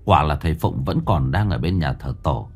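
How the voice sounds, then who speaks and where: A man narrating a ghost story in an expressive, dramatic way. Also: a bass voice, normal speed. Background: faint music.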